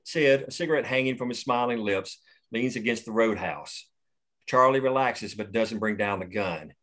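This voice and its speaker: A man reading the action lines of a screenplay aloud at a table read, steady and plain. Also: on the low side, normal speed. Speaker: narrator reading stage directions.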